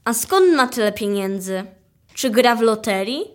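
High-voiced earnest child played by a young female. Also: expressive, a little slow. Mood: curious. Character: earnest poor child of a mining town. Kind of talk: radio play acting.

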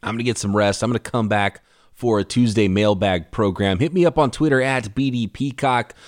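A man with a fairly low voice hosts a solo sports podcast, recorded dry and close with no room sound. He talks in an energetic, conversational way and leans hard on the points he wants to stress. His voice is hoarse and worn down from a lingering cough. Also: brisk, no room sound. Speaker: podcast host.

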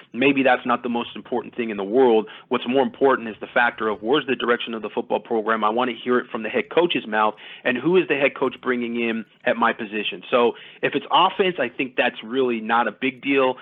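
A man giving casual, detailed sports recruiting analysis as a guest, talking conversationally at length. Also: medium pitch. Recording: thin phone-like audio.

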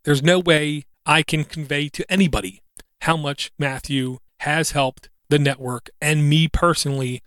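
This is a man in his thirties talking alone into a podcast mic, earnest and reflective, with fillers between his thoughts. His voice sits slightly high for a man, and a mild speech impediment shows in an occasional stutter. The sound is dry and close, with no room around it. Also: steady tone, normal speed, fairly bright tone, no room sound. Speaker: podcast host. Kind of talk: solo podcast monologue.

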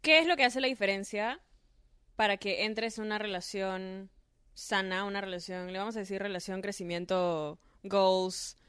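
A woman's voice: mid-range voice, fairly even intonation, normal speed, a bit bright, smooth, no echo, studio quality. A woman from Peru hosting a podcast in a playful, gushing, chatty way. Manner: playful, piles on gushing compliments. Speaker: podcast host. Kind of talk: casual podcast chat.

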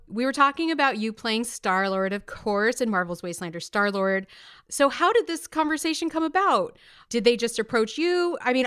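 Very clear-voiced American woman interviewing. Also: on the high side, sharp tone. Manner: enthusiastic, chatty. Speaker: podcast host, interviewer. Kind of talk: casual upbeat interview.

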